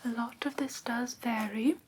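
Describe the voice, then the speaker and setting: A woman playing a prim, patient vampire teacher in a whispered ASMR roleplay, speaking softly and breathily with formal, careful instruction. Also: on the high side, fairly even intonation, unhurried, slight background noise, lightly acted. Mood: gentle, instructive. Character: prim, patient female vampire teacher of human pet care.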